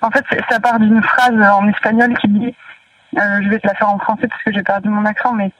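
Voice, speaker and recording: A woman from northern France, a guest in a casual interview, talking hesitantly with many pauses and fillers. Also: medium pitch, level tone, no room sound, far from the mic, lo-fi sound.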